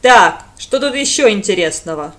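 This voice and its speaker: A woman's voice: medium pitch, lively intonation, normal speed, a bit bright, lightly acted. A woman voicing a sardonic commanding man who reads aloud in a mocking, declamatory tone.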